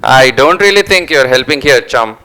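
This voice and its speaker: A man's voice: mid-range voice, expressive, normal speed, pushed and bright, clean tone. A man reading a sarcastic, stubbornly rational character in a staged play, with emphatic delivery. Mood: insistent.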